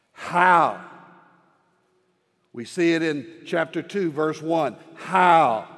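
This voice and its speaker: An older man, a pastor of many decades, giving a slow, earnest devotional sermon with emphatic repeated words. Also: a little high, fairly bright tone, long reverb tail.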